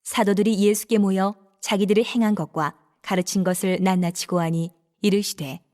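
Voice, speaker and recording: Casting: woman narrator, middle pitch, steady formal scripture reading. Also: normal speed.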